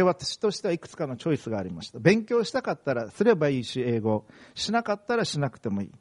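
A man's voice: on the high side, a little mellow. A middle-aged man from Okayama preaching a sermon, earnest and emphatic, telling personal stories. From Okayama, Japan. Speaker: pastor.

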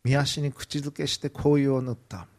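Japanese pastor retelling a Bible story. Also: male voice, mid-range voice, fairly even intonation, normal speed, a little mellow. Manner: vivid retelling, briefly acting out quoted lines. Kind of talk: sermon storytelling.

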